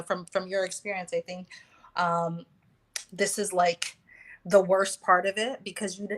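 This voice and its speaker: An American woman talking as a guest in a casual conversation, pausing often with fillers and restarts. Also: fairly low pitch, fairly bright tone, poor audio. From United States. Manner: hesitant, many fillers and restarts.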